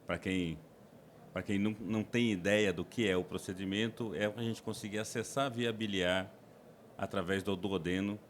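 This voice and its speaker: A man's voice: fairly low pitch, steady tone, moderate pace, a little hiss or hum. A man from the interior of São Paulo, a guest endoscopist explaining his work in a podcast interview, with frequent restarts and fillers. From interior of São Paulo state, Brazil.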